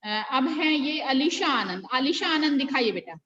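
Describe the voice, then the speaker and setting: Indian woman teacher, high voice, patient corrections, dull video call sound. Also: lively intonation, moderate pace, a bit bright. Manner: corrects pupils patiently, calls them by name. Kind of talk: online class checking homework.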